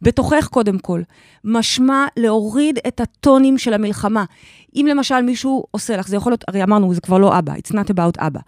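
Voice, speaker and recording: A woman's voice: mid-range voice, dry recording, clean studio sound. A woman hosting a podcast chat, guiding a guest with emphatic step-by-step explanations. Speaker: host and life coach. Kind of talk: guidance in a casual podcast chat.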